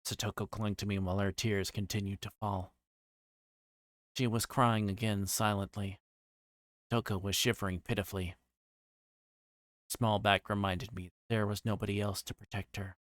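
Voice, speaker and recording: Low-voiced man reading a story aloud. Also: flat delivery, moderate pace, pauses often, no echo, studio quality. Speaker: livestreamer reading a visual novel aloud. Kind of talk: livestream read-aloud narration with casual asides.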